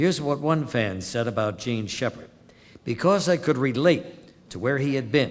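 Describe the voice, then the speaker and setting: A plain, everyday voice from a man, fairly high-pitched, at a moderate pace and full of lively intonation. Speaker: awards ceremony presenter. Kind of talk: induction speech.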